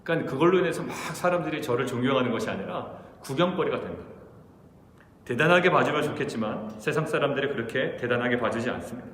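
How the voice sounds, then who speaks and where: A man's voice: medium pitch, expressive, fast, fairly bright tone. A middle-aged man preaching an early-morning sermon as pastor, telling stories and acting out the voices of the people in them. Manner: storytelling, acting out quoted voices. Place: church sanctuary. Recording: echoey church hall with faint noise.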